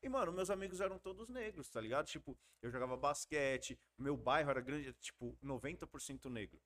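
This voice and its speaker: A man's voice: on the high side, brisk. Slangy Brazilian man telling stories. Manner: slangy, animated storytelling. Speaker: podcast guest. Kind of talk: casual storytelling chat.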